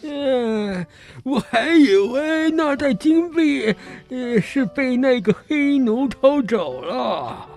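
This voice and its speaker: A woman's voice: high-pitched, animated, slow, exaggerated voice. A woman voicing a sly old male con man who hesitates and stammers between words. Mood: sly, evasive. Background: soft background music.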